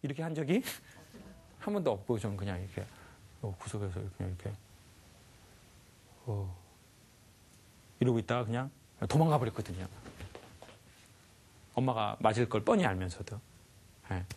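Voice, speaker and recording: A man giving a lively life lecture to a live audience, often asking them questions and acting out sounds. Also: on the low side, moderate pace, pauses often, a little hiss or hum. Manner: animated, asks the audience questions, acts out sounds.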